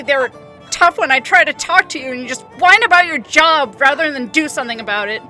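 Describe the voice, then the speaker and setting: An actress playing a disillusioned, self-doubting leader and fed-up wife in an audio drama, with intense, emphatic delivery. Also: female voice, sits high, pushed and bright.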